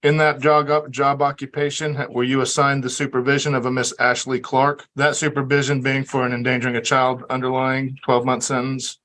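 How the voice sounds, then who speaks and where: A man speaking as a prosecutor in a courtroom recording, with formal, deliberate legal phrasing. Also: mid-range voice, level tone, pushed and bright.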